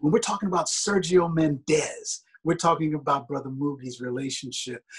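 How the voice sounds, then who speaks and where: Animated and somewhat breathy, a man speaks at a fairly quick pace and fairly high pitch. His pitch variation is ordinary, and the background is quiet. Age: 50s. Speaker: talk show host. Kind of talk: casual interview. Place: home room. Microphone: video call.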